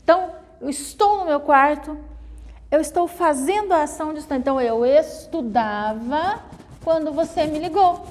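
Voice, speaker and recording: Her voice is high-pitched with a darkish tone, and the room sounds big. A Brazilian woman who teaches Portuguese walks students through a grammar lesson slowly, repeating points and often checking with "né?" and "tá?" in her Brazilian Portuguese accent.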